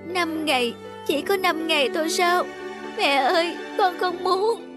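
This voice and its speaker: A woman's voice: very high voice, unhurried, pitched above the performer's own voice. A woman voicing a devoted young daughter in a cartoon, pleading and emotional, with music playing behind. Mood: earnest. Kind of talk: cartoon voice acting. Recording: background music under the voice.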